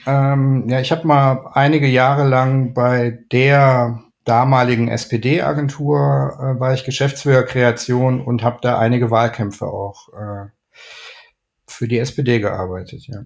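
A middle-aged man from Düsseldorf chats as a guest in a podcast interview. He talks in a loose, rambling way, full of fillers and restarts, in a voice of middle pitch. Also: steady tone, takes it slowly, gravelly. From Düsseldorf, Rhineland. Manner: chatty, many fillers and restarts. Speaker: guest, ad man and gallery owner.

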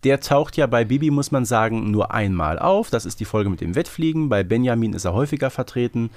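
A man's voice: mid-range voice, lively intonation, a little fast, dry recording. A man chatting casually as a podcast co-host, often seeking agreement with little tag questions. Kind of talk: casual podcast discussion of an audio drama series.

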